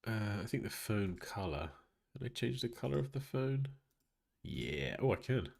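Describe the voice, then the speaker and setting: A man's voice: on the low side, sing-song, normal speed, creaky, darkish tone. A man hosting a live design tutorial, talking casually as he works, sniffly and nasal from a blocked nose. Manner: chatty, thinking aloud while working. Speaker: graphic design livestream host.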